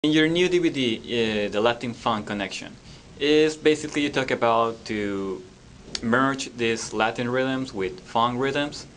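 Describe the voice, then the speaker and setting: A man's voice: mid-range voice, a little slow, fairly bright tone, slight background noise. A man interviewing a drummer, asking brief, direct questions.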